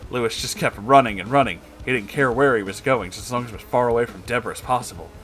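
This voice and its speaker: A man's voice: medium pitch, quick pace, fairly bright tone. A man narrating a comedic story in a dramatic, theatrical way.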